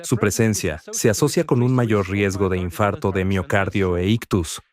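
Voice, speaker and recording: Measured man giving a formal science talk. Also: fairly low pitch. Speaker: conference speaker. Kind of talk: formal scientific presentation, read aloud.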